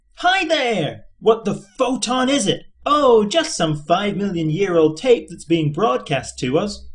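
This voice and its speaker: Doing a put-on character voice, a man speaks in a high pitch. His pace is fairly slow. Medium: read story. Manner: bright, cheerful, casual.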